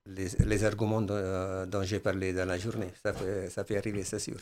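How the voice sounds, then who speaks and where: A man's voice: low-pitched, flat delivery, brisk, darkish tone. A man with an Italian accent, a guest artist in a radio interview, speaking hesitantly with many fillers. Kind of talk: interview, then poetry reading.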